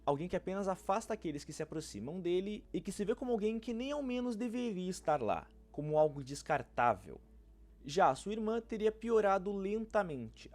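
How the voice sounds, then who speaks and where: A man's voice: sits high, a little mellow. A man with a Brazilian accent delivering scripted narration as a fan-theory video narrator.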